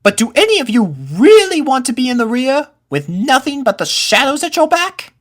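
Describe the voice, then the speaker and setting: A man voicing young boy pony colts in a storybook reading, with a high child voice and expressive, uneasy chatter. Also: moderate pace. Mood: wary bravado. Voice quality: high-pitched put-on child voice.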